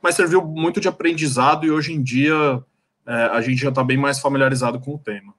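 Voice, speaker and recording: A man's voice: medium pitch, fairly even intonation, a little fast, a bit bright. Brazilian lawyer-entrepreneur, man, casual panel talk, friendly, hesitant. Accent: Brazilian Portuguese. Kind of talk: panel discussion, conversational.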